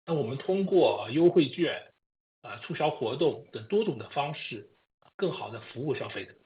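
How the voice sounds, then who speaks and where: A man of medium pitch answers as a company executive. He speaks formally in halting phrases over a muffled, lo-fi conference line. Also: big pitch swings.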